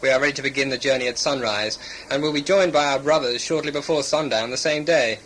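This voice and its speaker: An actor playing a hot-tempered, mocking tribal warrior with sneering, formal archaic speech in an audio drama. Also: male voice, medium pitch, fast, a bit bright, a little hiss or hum, close to an everyday voice, rough recording. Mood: resentful.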